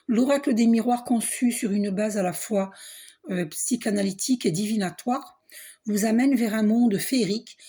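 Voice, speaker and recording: Hoarse husky woman, dark mellow voice, keeps clearing her throat, chatty and meandering. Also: on the high side. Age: middle-aged. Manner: frequent throat clearing and coughing; hesitant, restarts, soft asides. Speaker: spiritual vlogger. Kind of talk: casual spiritual vlog, reading card box aloud.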